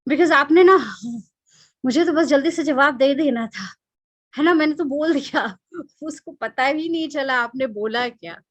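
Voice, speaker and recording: High-voiced Indian woman trainer. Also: racing, no echo. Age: middle-aged. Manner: switches between English and Hindi, emphatic and instructive. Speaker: employability trainer. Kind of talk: online training lecture.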